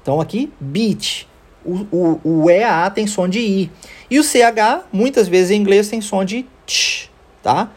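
Husky Brazilian man teaching English. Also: sits high, moderate pace, a little mellow. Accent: Brazilian Portuguese. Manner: explanatory, checks in with "tá?" and "ok?". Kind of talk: podcast language lesson.

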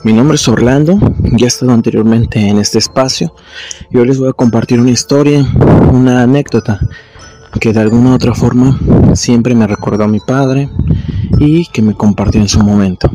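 A man telling a guest story to the show's audience in a formal, unhurried way. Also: mid-range voice, warm tone, soft background music, rough recording.

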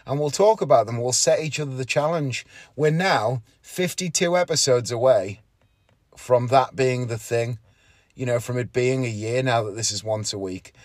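A man's voice: medium pitch, normal speed, dry recording, studio quality. A man, talking casually and candidly on his solo podcast from inside a parked car, often correcting himself. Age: 30s. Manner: rambling, candid, self-correcting. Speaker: podcast host, magician.

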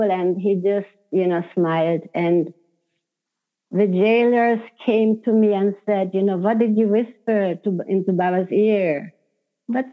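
Older woman w telling old stories, lots of soft laughs and "you know", sounds like its over the phone. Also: mid-range voice. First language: Hungarian. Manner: unhurried and warm, with soft laughs and many "you know" fillers. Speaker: spiritual teacher. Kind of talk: recounting personal memories in an interview. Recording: tinny phone-like audio.

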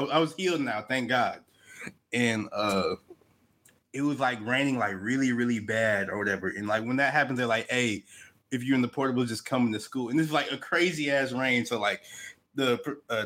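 A young man co-hosting a podcast, telling stories in a relaxed, slangy, unhurried way. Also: mid-range voice. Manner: laid-back slang storytelling, drawn-out. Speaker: podcast co-host. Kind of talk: casual chat.

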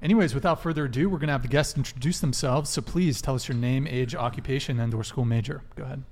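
A man's voice: mid-range voice, fast, darkish tone. A man hosting a live podcast, rattling off announcements in a brash, joking manner from a studio table. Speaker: podcast host.

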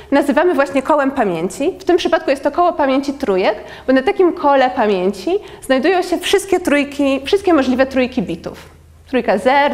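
A young woman giving a lecture with slides, speaking in a measured way with frequent hesitant fillers. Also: high-pitched, darkish tone.

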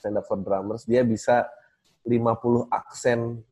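A relaxed man hosting a casual conversation, at an average pitch for a man. He asks easygoing, encouraging questions and nudges his guest along. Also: unhurried, slight background noise. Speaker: host. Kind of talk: casual chat.

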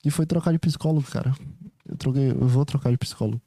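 A man with a Brazilian accent thinks out loud in a loose, wandering monologue. His voice is very dark and mellow, and the sound is close and dry. He keeps stopping to restart his sentences and checks in with the listener as he goes. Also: medium pitch, fast talker, no room sound. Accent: Brazilian Portuguese. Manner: rambling, hesitant, many restarts and "you know?" tags. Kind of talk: casual reflective monologue.

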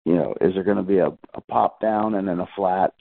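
A man speaking as a financial analyst on an earnings call, conversational and halting as he rephrases, heard over a thin phone line. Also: sits low, vocal fry. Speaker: financial analyst asking questions.

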